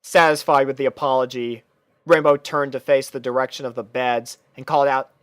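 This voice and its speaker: A man's voice: medium pitch, steady tone, a little fast, a bit bright, clean tone, no room sound. A man reading fan fiction aloud as scripted, storybook-style narration.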